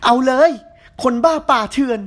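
A woman voicing a talkative, stubborn young woman who argues back in a high, sharp voice. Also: expressive, a little fast, husky. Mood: furious. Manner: shrill, argumentative retorts.

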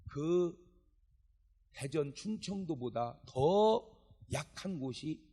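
A fairly high-voiced man preaching at a church revival service. His voice is husky, and its pitch swings widely as he tells jokey stories and acts out bits of dialogue. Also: takes it slowly. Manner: animated, joking storytelling with acted dialogue. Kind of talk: sermon.

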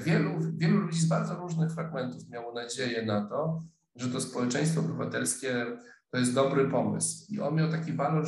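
Hesitant, thoughtful man in an echoey room. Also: mid-range voice. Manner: thoughtful, hesitant, many fillers and restarts. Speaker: sociologist lecturer. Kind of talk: online lecture. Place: office room, indoors. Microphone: webcam video call.

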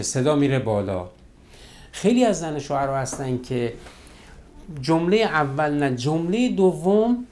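A man's voice: medium pitch, mellow. A middle-aged man, a marriage counselor, lecturing on relationships and acting out couples' quarrels in quoted voices.

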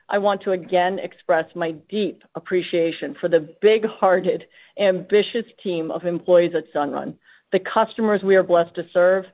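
A woman speaking as a company executive on an earnings conference call. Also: on the low side. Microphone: conference call line. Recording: tinny, band-limited conference call line.

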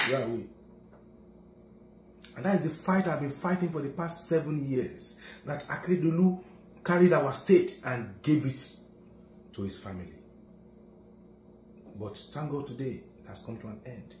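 A middle-aged man with a Nigerian accent giving emphatic political commentary, dropping to low solemn murmurs and rising to loud declarations. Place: indoor office room. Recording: echoey room.

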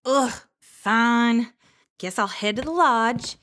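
A woman's voice: on the high side, slow, a bit bright. A woman playing a playful, teasing young twin sister who works as a forest ranger, in an audio drama. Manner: teasing, sardonic.

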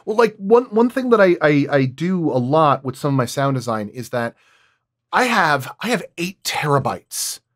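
A man talking casually as a sound designer on a roundtable, explaining things through animated anecdotes and acting out quoted remarks. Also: fairly high pitch, normal speed. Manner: animated storytelling, acts out quoted dialogue.

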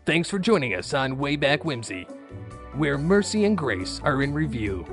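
A man playing a storybook narrator, with a measured, theatrical delivery in a scripted radio comedy sketch. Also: fairly high pitch, very animated, fairly bright tone, soft background music. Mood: storytelling. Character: storybook narrator who meddles in his own tale.

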